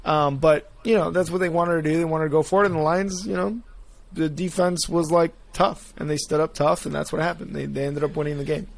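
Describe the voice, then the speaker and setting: A man's voice: a little high, fairly even intonation, fairly quick, creaky. A man co-hosting a casual sports podcast, rambling loosely and swearing freely. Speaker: podcast co-host.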